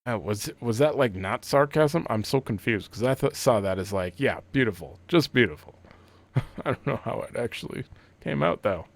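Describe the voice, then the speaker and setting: With a gravelly, expressive mid-range voice at normal speed, a man in his thirties gives loose, rambling commentary on the video game he's playing. As a let's play host, he reads the dialogue out loud, and game music plays in the background.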